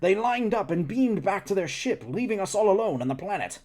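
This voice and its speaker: Male reader doing a high, know-it-all alien scientist; chatty, lecturing. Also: expressive, brisk, a little mellow. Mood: eager lecturing. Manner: rambling, lecturing. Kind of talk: reading a novel aloud on a stream.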